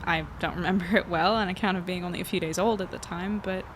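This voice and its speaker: A woman's voice: fairly low pitch, fairly even intonation, fast talker, background noise, close to an everyday voice. An actress playing a caring, curious young woman chatting with friends in an audio drama, casual and a little hesitant. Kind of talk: acted dialogue in an audio drama podcast.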